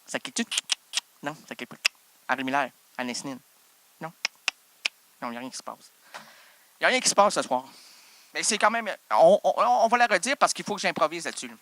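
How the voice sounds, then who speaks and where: A man's voice: on the high side, lively intonation, fairly quick, pauses often, a bit bright, reverberant, big-room sound, slight background noise. A man with a Québécois accent improvising a comic stage monologue, rambling, interrupting himself and teasing the audience. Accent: Québécois French. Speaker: improv performer and host.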